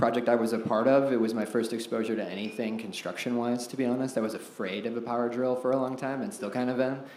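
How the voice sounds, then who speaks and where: Speaking very fast with hardly any pauses, a man talks with an American accent. Room echo is audible, and there is noticeable background noise. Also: medium pitch for a man. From California. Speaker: architect, design director. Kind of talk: lecture.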